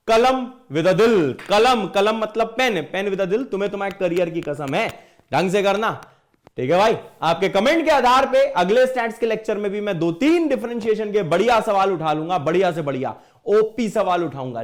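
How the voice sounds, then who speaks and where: High-voiced jokey maths teacher. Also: male voice. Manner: playful, jokey, calls students beta. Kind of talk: online exam-prep lecture.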